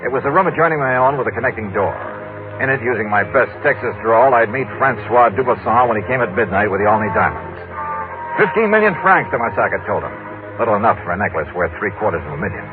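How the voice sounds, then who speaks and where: A man's voice: lowish voice, lively intonation, fast, natural voice. An actor playing a hard-boiled male insurance investigator who narrates in a clipped, streetwise, wisecracking way. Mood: narrating. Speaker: narrator and lead. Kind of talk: 1950s radio drama acting. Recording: lo-fi old radio broadcast with music.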